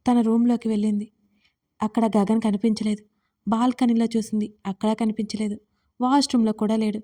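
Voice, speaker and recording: A woman narrating a romance story in a calm, steady reading voice. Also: a little high.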